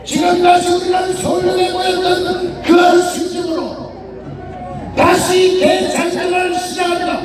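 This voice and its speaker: A man giving an impassioned political rally speech as its leader, shouting in an emphatic, declamatory way. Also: very high voice, level tone, a little slow. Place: outdoor street rally in front of a detention center. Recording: echoing loudspeaker outdoors, distant, crowd and music. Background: crowd and music.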